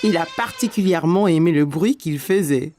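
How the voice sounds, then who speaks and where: A woman reading scripted narration for young children in a gentle storybook manner. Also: lowish voice, normal speed, over music, natural voice.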